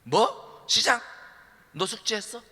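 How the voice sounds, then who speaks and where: A man's voice: high voice, lively intonation, slow, long reverb tail, a little hiss or hum, full character voice. A male pastor voicing a stern mother who scolds and threatens her small child, in a sermon. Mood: scolding. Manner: sharp, threatening commands.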